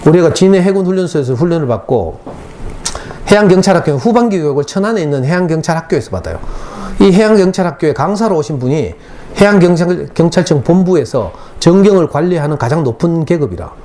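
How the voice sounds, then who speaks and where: Middle-aged man, Gyeongsang accent, parent-ed lecturer; talks fast with a dark, mellow voice and faint background noise. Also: a little high, animated. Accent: Gyeongsang Korean. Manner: emotional storytelling, dialect speech. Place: school lecture hall.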